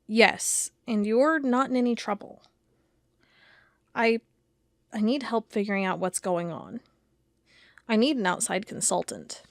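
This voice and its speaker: An actress playing a determined, plain-spoken FBI agent in an audio drama, matter-of-fact and wry. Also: female voice, fairly high pitch, a little slow, creaky, pauses often, no echo, studio quality. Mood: earnest, insistent. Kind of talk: audio drama dialogue and recorded-log monologue.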